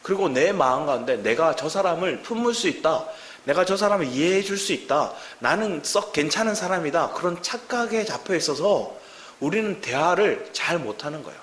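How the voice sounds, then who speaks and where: A man's voice: a little high, expressive, moderate pace, a bit bright. A man in his thirties with a Gyeongsang Korean accent preaching a sermon as pastor, asking the congregation many questions. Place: church sanctuary. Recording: roomy church hall with faint hiss.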